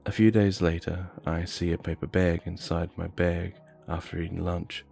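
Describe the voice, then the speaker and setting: A man narrating a scripted horror story in a measured, low-key way. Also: flat delivery, gravelly, darkish tone, soft background music.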